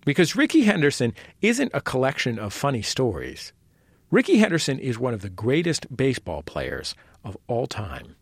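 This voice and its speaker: Thirties male host, scripted radio narration, animated mid-range voice in a dry studio. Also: mid-range voice, moderate pace, slightly rough, no room sound. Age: 30s.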